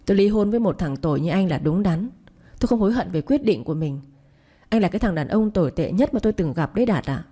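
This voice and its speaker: Casting: woman reading an enraged young wife, harsh and commanding, low mellow tone, storybook read. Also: animated, fast talker, husky. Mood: furious. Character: furious young wife throwing out her cheating husband.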